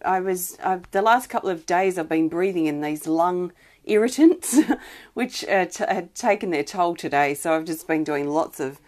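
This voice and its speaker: A woman hosting a live healing-guidance stream, speaking gently with many pauses, a bit wheezy from irritated lungs. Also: fairly low pitch. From Australia. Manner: soft, gentle, greets viewers by name, many ums and restarts. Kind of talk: live-streamed spiritual chat.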